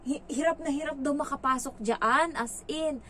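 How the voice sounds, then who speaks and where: A Filipina domestic worker living abroad tells a story on her channel in a chatty, gossipy vlog style, using lots of filler words. Her high voice is a bit bright at a normal speed, with a little hiss or hum in the recording.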